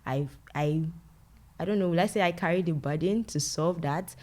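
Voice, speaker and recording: A woman's voice: on the low side, moderate pace, a little mellow. A young woman with a Nigerian accent, answering conversationally as an interview guest. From Lagos, Nigeria. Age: young adult. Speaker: interview guest, medical doctor and content creator.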